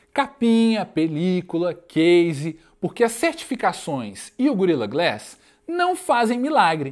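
The man speaks at a very slow pace. The background is quiet. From Brazil. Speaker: tech YouTuber; tech youtuber. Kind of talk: tutorial. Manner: animated. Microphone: lapel.

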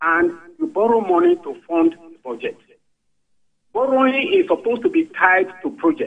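A man talks at an extremely high pitch and a moderate pace. His voice makes very wide pitch swings and big swings in loudness. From Nigeria. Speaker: caller. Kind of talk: call-in opinion. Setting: phone call. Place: home room. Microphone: video call.

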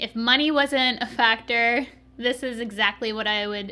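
Fairly even intonation marks this fairly slow delivery. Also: woman. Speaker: beauty vlogger. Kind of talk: casual vlog chat. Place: home room.

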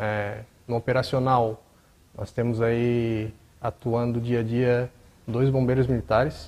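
A man talks at a very slow pace in a flat monotone. His speech is broken by long, frequent pauses. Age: 30s. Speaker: fire brigade commander. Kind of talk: interview. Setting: studio. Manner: halting. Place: studio. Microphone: lapel.

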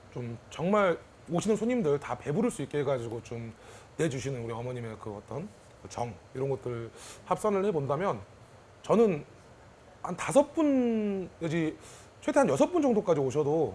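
A man talks at a moderate pace, his pitch swinging very widely and his loudness shifting a lot. He takes long, frequent pauses over light background noise. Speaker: food reviewer. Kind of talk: casual vlog chat. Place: cafe.

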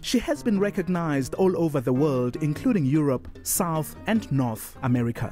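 Music plays behind a man who talks with lively intonation and hardly any pauses. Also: fairly high pitch for a man, moderate pace, very even loudness. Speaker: TV news reporter. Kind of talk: TV news feature narration.

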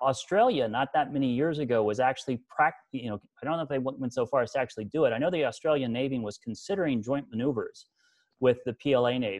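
This man's medium-pitched voice carries ordinary pitch variation while he talks at a very fast pace. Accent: American. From United States. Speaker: economist and strategist. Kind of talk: panel discussion. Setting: video call.

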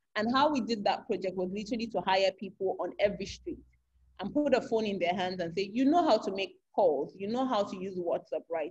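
Against a quiet background, a somewhat breathy voice with an American accent moves at a fairly quick pace with lively intonation. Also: woman. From Nigeria, Lagos. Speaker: market research entrepreneur. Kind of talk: interview. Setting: video call. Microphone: video call.

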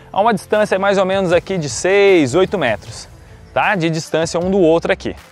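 A man is heard in a dry sound with no echo, faint music playing in the background. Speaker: football coach. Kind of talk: tutorial. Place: stadium. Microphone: lapel.

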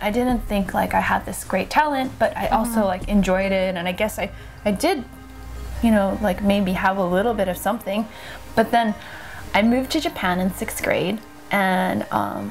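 Faint music plays in the background as a woman speaks. Her pace is moderate, with ordinary pitch variation. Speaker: guest. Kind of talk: interview answer. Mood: cheerful, chatty. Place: home room. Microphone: lapel.

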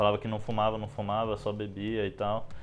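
Faint music plays in the background. A man speaks at a moderate pace in a fairly low pitch. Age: 20s. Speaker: social project storyteller working with homeless people. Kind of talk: personal testimony interview. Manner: casual, with many fillers. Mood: calm, reflective. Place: home room. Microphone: lapel.

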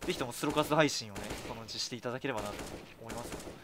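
The man talks at a very fast pace. Noticeable background noise runs underneath. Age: 20s. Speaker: game streamer. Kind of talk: casual chat. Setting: live stream. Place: home room.

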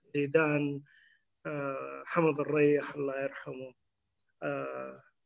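Speaking at a very slow pace, a man with a Sudanese accent has a fairly high voice. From Sudan, Omdurman. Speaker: professor and physician, poet. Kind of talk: casual interview talk. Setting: video call webinar.

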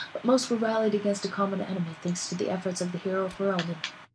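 A woman speaks at a very fast pace with a somewhat breathy voice. Her pitch sits in the medium range, and her intonation stays fairly even. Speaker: gamer. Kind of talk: reading game codex entries aloud.

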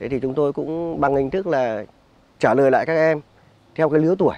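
A man's dark, mellow tone at a very fast pace, in a dry sound with no echo. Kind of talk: interview answer. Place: garden. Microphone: lapel.

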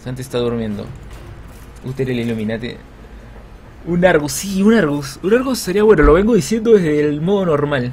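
A man's pitch swings very widely, with long, frequent pauses and light background noise. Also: moderate pace. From Peru. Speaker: video game streamer. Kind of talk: live gameplay commentary. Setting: live stream reading chat. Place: home room.

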